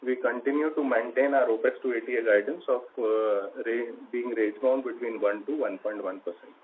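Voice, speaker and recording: A man's voice: mid-range voice, fairly even intonation, moderate pace. A man with an Indian accent, speaking as a finance chief and reading through a prepared financial report. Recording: noisy phone-like conference line.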